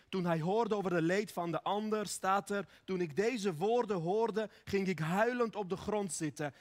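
A man from Armenia preaching an earnest, personal sermon, slowing down when he speaks prayers. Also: sits high.

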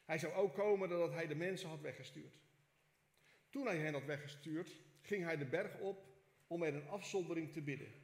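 A male pastor preaching in a church. He reads the scripture aloud with feeling and prays quietly, with some hesitations. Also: a little high. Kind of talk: sermon with scripture reading and prayer. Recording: echoey church hall.

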